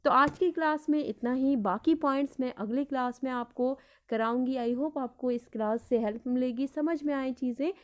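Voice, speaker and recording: A woman with an Indian Urdu accent teaching an online class, explaining slowly and repeating each point, with English words mixed in. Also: high voice. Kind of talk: online lecture.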